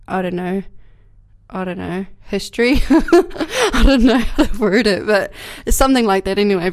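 A young woman with a New Zealand accent talks casually on her community radio show. She has a cold but her voice stays smooth and clear, at a middle pitch. She rambles loosely, with plenty of fillers and restarts. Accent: New Zealand English. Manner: rambling, many fillers and restarts, laughs often. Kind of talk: casual solo radio talk. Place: radio studio.

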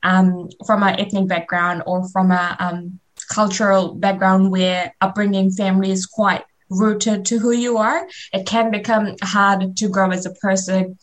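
A woman's voice: medium pitch, little pitch movement, measured pace. A woman in her twenties from Fiji, chatting casually as a radio interview guest and laughing easily. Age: 20s.

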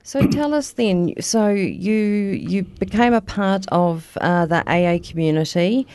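Gravelly low-voiced woman host. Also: unhurried, no room sound. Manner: gentle, encouraging, many soft affirmations. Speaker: radio show host, interviewer. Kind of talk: radio interview.

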